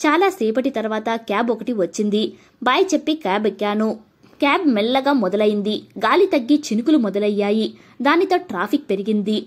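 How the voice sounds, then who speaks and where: Woman narrating a Telugu story. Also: on the high side. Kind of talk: audiobook narration.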